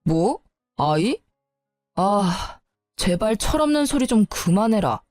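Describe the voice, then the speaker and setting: A woman's voice: medium pitch, very animated, takes it slowly, a little mellow, soft background music. A woman voicing a young husband who sighs, brushes off and scolds, in a Korean story reading. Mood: scolding. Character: young husband, defensive and impatient.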